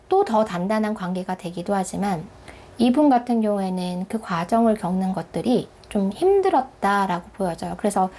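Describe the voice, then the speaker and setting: Mellow-voiced woman giving a tarot reading. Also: mid-range voice. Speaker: tarot reader, channel host. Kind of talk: soft-spoken tarot reading addressed to viewers.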